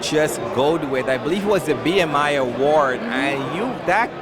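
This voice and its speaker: A man's voice: on the high side, moderate pace. A man working as a red carpet interviewer, chatting in an upbeat, gushing, complimentary way with guests. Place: busy red carpet event. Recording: loud crowd noise at busy event.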